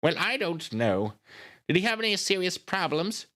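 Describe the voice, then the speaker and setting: Man doing a high, gentle old lady. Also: very animated, normal speed, exaggerated voice. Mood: gentle concern. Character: kindly, gentle old lady consoling a friend.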